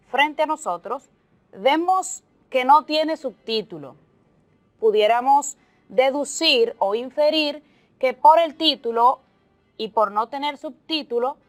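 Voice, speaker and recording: Woman teacher, slightly high voice, unhurried, methodical, dry close sound. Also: dry recording. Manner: slow, deliberate explaining with lists and examples. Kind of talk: televised remote class.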